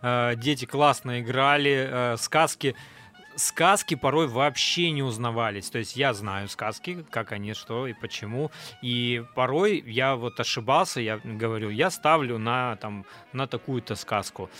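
Measured, hesitant man in podcast talk. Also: medium pitch, bright, forceful tone. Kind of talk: casual conversation.

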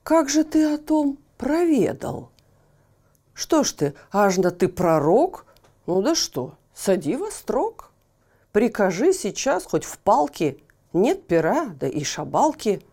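A simple young peasant lad, played by a woman reading a fairy tale, loud and pleading in a raised, lively voice. Slightly gravelly and warm, he speaks slowly. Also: fairly high pitch, heavily acted. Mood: pleading defiant.

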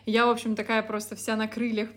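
Woman, podcast guest, casual chat, playful, giggly, slangy, higher voice. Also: monotone, quick pace. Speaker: guest, company co-founder.

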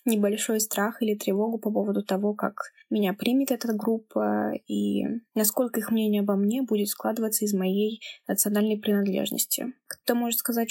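A young woman in her late teens, from Kamchatka, with no accent, calmly telling her own story in a measured, reflective way. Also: medium pitch, creaky. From Kamchatka, Russia. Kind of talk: personal account, reflective narration.

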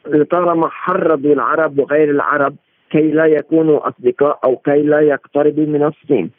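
A male analyst giving interview commentary in formal Standard Arabic, explaining at length and sometimes correcting himself haltingly. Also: fairly high pitch, steady tone, no room sound. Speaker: political and economic analyst, interview guest. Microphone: remote phone-like connection. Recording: tinny narrowband phone-like line.

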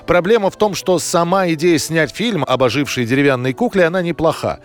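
A man's voice: fairly high pitch, a little fast. A man presenting a history programme, reading scripted documentary narration. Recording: music under the voice. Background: background music.

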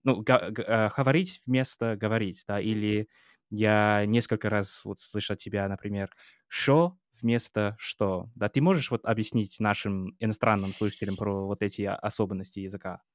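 A man's voice: on the low side, moderate pace, no echo. Hesitant male podcast host, dry sound. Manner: hesitant, searching for words with fillers. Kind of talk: interview questions.

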